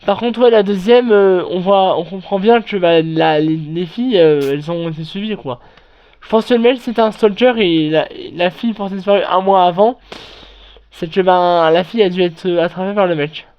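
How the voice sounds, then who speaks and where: High-voiced man reading horror stories. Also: clean tone. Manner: halting reading with frequent restarts and self-corrections. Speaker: online horror story narrator. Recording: dull lo-fi recording.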